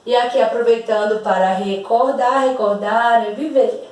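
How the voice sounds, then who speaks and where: A Brazilian woman teaching a lesson, explaining slowly and patiently and drawing out words to demonstrate their sounds. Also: a little high, fairly even intonation, darkish tone. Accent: Brazilian Portuguese. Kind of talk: slow, over-articulated classroom explanation. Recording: very echoey room, voice from a distance.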